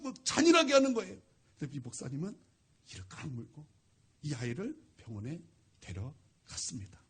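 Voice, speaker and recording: A man preaching a Sunday sermon as a pastor, telling a story with lively acted-out dialogue. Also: on the high side, husky. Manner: animated, acts out quoted dialogue. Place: church sanctuary.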